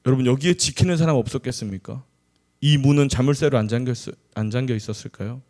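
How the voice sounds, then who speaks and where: A man's voice: medium pitch, fast, a little mellow. A middle-aged man, an associate pastor, preaching a conversational sermon with humorous asides.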